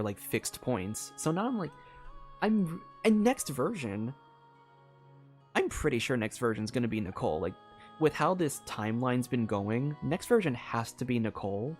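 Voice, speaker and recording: A woman's voice: very deep voice, a little mellow. A woman streamer giving casual game commentary, theorizing aloud in a rambling way that keeps circling back. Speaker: streamer playing and reacting to a game.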